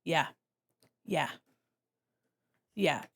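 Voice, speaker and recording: A woman's voice: sits low, drawn-out words, gravelly, breathy edge. A young woman streaming her drawing live, chatting playfully with viewers and giggling often. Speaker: VTuber art streamer. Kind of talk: casual live-stream chat while drawing.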